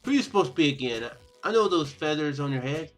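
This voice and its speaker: A man's voice: a little high, sing-song, quick pace, soft background music. A man voicing a cocky, mocking street bully in a game, with a jeering, sneering delivery. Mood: taunting.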